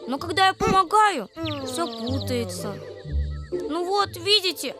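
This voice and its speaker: A woman voicing a small, clumsy male forest creature in a fairy-tale cartoon, excitable and childlike. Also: extremely high pitch, a little slow, music in the background, exaggerated voice. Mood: defensive, sorry.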